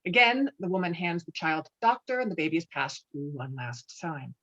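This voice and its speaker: A woman's voice: fairly low pitch, sing-song, brisk, fairly bright tone. Woman narrating, slightly muffled sound. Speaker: stage-direction narrator. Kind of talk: scripted narration at a table read.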